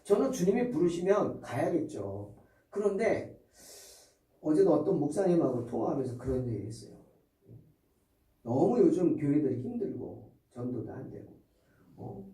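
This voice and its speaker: A man's voice: fairly high pitch, very animated, moderate pace, pauses often, mellow. A man preaching a sermon as pastor, fervently and with many rhetorical questions to the congregation. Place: church sanctuary. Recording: echoey church hall from far off.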